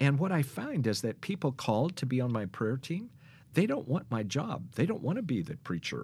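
With an American accent, a man talks at a moderate pace with vocal fry and very wide pitch swings, in a very clean recording with a silent background. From Kansas. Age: 60s. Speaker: pastor and spiritual formation director. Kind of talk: interview.

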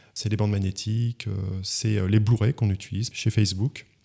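A somewhat breathy voice with a dark, mellow tone comes across on a very clean recording with a silent background. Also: man. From France, Alsace. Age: 40s. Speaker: startup founder and CEO. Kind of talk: interview. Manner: hesitant with repetitions.

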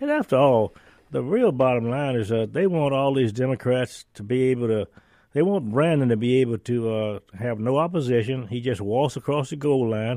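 An ordinary speaking voice with an American accent comes at a moderate pace with ordinary pitch variation. The recording is very clean, and the background is silent. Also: man, medium pitch for a man. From US Midwest. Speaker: former gubernatorial candidate. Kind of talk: radio interview. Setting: studio.

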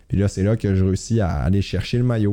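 A man's dark, mellow, fairly low voice with fairly even intonation. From Quebec, Saguenay. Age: 20s. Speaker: pro road cyclist. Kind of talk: casual interview chat.

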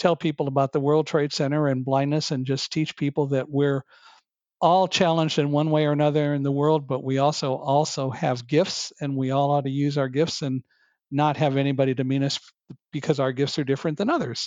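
A man with an American accent, a fairly high pitch, monotone, flat intonation and a fairly quick pace. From California. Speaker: author and public speaker. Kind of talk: interview.

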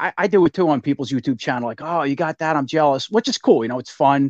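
Very fast, lively intonation from a man, against a quiet background. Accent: American. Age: 40s. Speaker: toy collector YouTuber. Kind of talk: casual interview chat.

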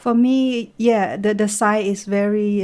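In a very clean recording with a silent background, a woman with a Thai accent speaks in a dark, mellow tone with monotone, flat intonation. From Thailand. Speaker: site visitor. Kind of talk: interview.

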